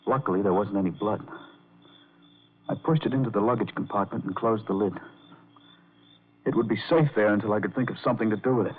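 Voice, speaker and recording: A man's voice: on the low side, fairly quick, long pauses, slightly rough. An actor playing a nervous piano player who narrates his own crime in tense first person, in a 1950s radio drama on a tinny old broadcast. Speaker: narrator and lead.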